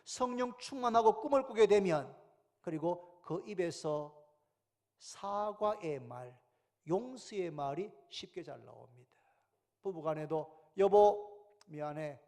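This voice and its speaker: A male pastor with a Gyeongsang accent preaching a sermon in church, moving between loud emphatic calls and hushed, whispered asides. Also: high voice, animated, a little slow. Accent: Gyeongsang Korean. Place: church sanctuary.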